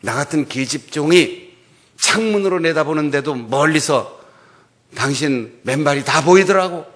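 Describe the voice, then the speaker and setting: A male preacher voicing a scornful, sharp-tongued royal wife who mocks and scolds in a raised voice. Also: animated, a little slow. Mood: mocking. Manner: mocking, scolding, shrill.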